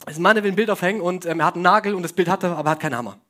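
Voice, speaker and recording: A young man delivers a sermon in a relaxed, conversational way, pitched a little higher than most men. He keeps turning to his listeners with questions and wry jokes. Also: very fast. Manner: casual, joking asides, questions to the audience. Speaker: preacher. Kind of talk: sermon to a congregation.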